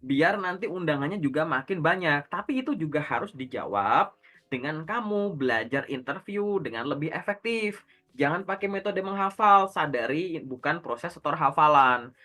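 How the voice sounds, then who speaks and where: A man with a bright, forward voice coaches someone one-on-one in a relaxed, slangy way. He fires off rhetorical questions and answers them himself. Faint music plays underneath. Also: a little high, normal speed. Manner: direct, instructive, uses everyday slang. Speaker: career coach. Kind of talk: casual one-on-one coaching talk.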